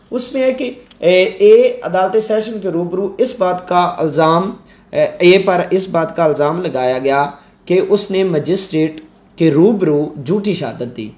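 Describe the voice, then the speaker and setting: A man with a Pakistani accent teaches law at a very slow, careful pace, reading English provisions and then going back over each one. His voice sits a little higher than most men's. The recording has a noticeable echo from the room. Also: darkish tone. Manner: slow and deliberate, mixes English legal text with Urdu explanation. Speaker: law lecturer. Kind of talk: explaining a legal statute.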